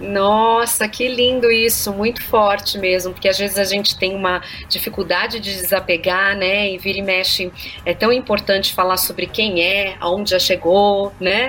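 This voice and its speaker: Over music in the background, a woman speaks at a moderate pace in a medium pitch. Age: 20s. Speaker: radio podcast host. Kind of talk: interview. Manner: animated.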